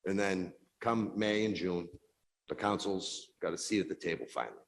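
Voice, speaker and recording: A man speaking as a city councilor in a council meeting, forceful and exasperated, making his case with rhetorical questions. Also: low-pitched, moderate pace, creaky, a little hiss or hum, poor audio. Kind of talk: council floor speech. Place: council chamber.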